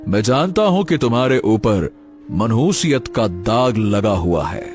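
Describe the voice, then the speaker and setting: An actor voicing a wise, mysterious old hermit sage in a cartoon story, speaking calmly and soothingly. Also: male voice, fairly low pitch, faint music behind. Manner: calm, soothing, measured.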